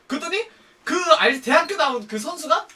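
A young man telling a funny work story in a campy, profane and animated way. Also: very high voice, brisk, recorded from a distance, a little hiss or hum. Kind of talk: casual comic storytelling.

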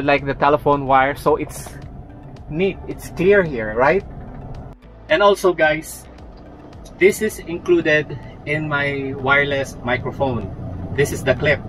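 A middle-aged man giving a casual, halting and repetitive product review to camera from inside a truck cab. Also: a little high, a bit bright, low-quality recording.

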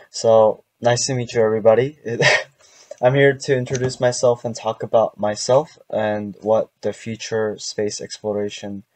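A man's voice: on the low side, a little mellow, no room sound, low-quality recording. A teenage boy from South Korea giving a casual presentation over a video call from his bedroom, talking in a hesitant, chatty way and often restarting his sentences. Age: teens. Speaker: student presenter. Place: bedroom at home. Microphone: webcam on video call.

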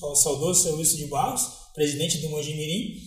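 Gaúcho man, forties, former footballer as guest; earnest, halting storyteller; strong room echo. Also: fairly high pitch, fairly even intonation, recorded from a distance. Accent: Gaúcho Brazilian Portuguese. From Porto Alegre, southern Brazil. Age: 40s. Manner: reflective, earnest, with many restarts. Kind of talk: relaxed interview storytelling. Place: small studio with green set. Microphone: lapel mic. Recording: very echoey room, voice heard from afar.

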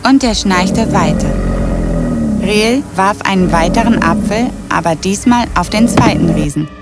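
A woman's voice: mid-range voice, lively intonation, measured pace. A woman storyteller reading a scripted children's fairy tale. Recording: clear music behind the voice.

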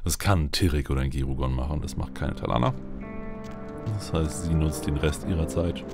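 A man's voice: very deep voice, moderate pace, creaky. A man giving playful roleplay commentary as a let's player, muttering and repeating words. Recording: voice over loud game music.

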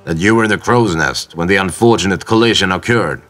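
A man voicing a stern, calculating ship's captain who speaks in a controlled, measured, authoritative way, in a storybook reading. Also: low voice, a bit bright, faint music behind.

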